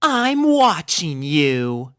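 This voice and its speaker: Man putting on a pompous, high-voiced bully filly. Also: very animated, very slow, pushed and bright, heavily acted. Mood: accusing. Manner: haughty, demanding. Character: pompous, suspicious young girl pony bully.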